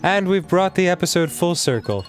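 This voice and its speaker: A man's voice: high-pitched, sing-song, normal speed, soft background music. A man co-hosting a casual let's-play, talking in a laid-back, rambling way and laughing easily. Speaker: co-host.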